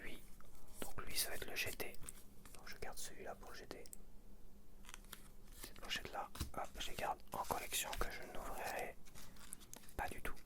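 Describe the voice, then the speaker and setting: A man's voice: moderate pace, pauses often. A man whispering an ASMR video, thinking aloud casually in short, hesitant phrases. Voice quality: whispered, unvoiced. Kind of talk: ASMR, casual chat while sorting sticker packets.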